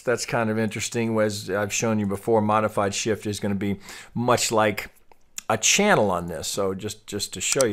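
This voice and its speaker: A man with a fairly low voice talks through chart analysis as an unscripted tutorial. He thinks aloud as he goes, halting and doubling back on words in the role of a trading analyst. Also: a bit bright. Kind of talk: off-the-cuff chart tutorial commentary.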